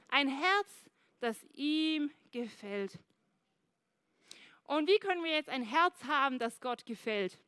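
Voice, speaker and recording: A woman preaching a sermon at a church service, lively and speaking straight to the congregation. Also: high voice, no room sound. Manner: lively, addresses the congregation directly.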